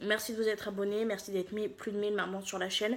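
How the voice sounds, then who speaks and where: Her intonation is monotone and flat. The woman speaks at a fairly quick pace and a fairly high pitch. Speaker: YouTuber. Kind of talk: casual chat while eating (mukbang). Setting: at home at a table, partner beside her. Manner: chatty, eating sounds, mouth full at times.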